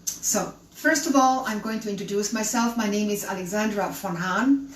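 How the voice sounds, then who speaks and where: A middle-aged woman from Canada and Chile hosts a live cooking stream, speaking at a moderate pace in a medium-pitched voice. She's chatty and welcoming, talking straight to her viewers. Her son films from a distance, so the sound is roomy and distant with a faint hum.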